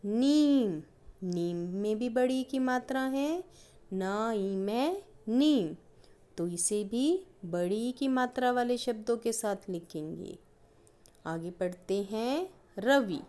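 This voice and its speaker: Slow, patient woman teacher. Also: fairly high pitch, expressive, a little mellow. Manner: slow, drawn-out stressing of each example word; patient, addresses pupils as "children". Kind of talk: primary-school grammar lesson.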